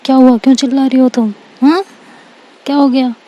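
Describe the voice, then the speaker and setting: A woman's voice: high-pitched, fairly even intonation, brisk, dark tone, natural voice. A woman storyteller voicing a strict female schoolteacher who questions and warns pupils sternly in story dialogue. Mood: stern questioning. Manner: stern, questioning, threatening punishment. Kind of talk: Hindi audio storytelling dialogue.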